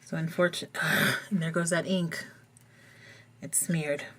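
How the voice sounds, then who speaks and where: A woman with a somewhat low, slightly froggy voice talks casually through her coloring technique, thinking aloud as she works. It has the easy, unhurried feel of a hobby tutorial voice-over. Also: steady tone. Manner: chatty, thinking aloud while working.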